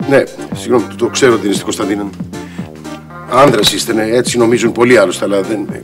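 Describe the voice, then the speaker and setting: A man's voice: lowish voice, steady tone, lightly acted. Man playing a flustered guilty husband. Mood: panicky. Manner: frantic, then remorseful and pleading. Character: flustered middle-aged male doctor, guilty husband. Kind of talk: TV sitcom acting. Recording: music under the scene.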